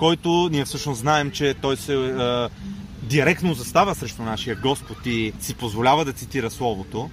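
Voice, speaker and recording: An unremarkable speaking voice from a man: medium pitch, moderate pace, ordinary pitch variation. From Bulgaria, Sofia. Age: 30s. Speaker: political activist, small business owner. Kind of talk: casual interview. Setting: outdoors in a park.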